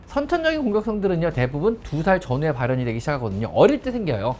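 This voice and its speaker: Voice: mid-range voice, slight background noise. A veterinarian hosting a pet-care talk, explaining in an emphatic way and stretching the ends of phrases.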